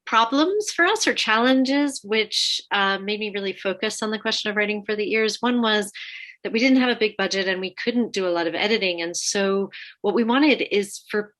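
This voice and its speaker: Bright-voiced woman on an academic panel. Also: mid-range voice, normal speed. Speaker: panelist, academic and podcast producer. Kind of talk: conversational self-introduction on a panel. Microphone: video call.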